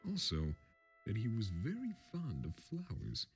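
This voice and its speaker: A man's voice: fairly low pitch, huge pitch swings, measured pace. A man reading a fantasy storybook aloud as scripted narration, in the role of storyteller. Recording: film score music underneath.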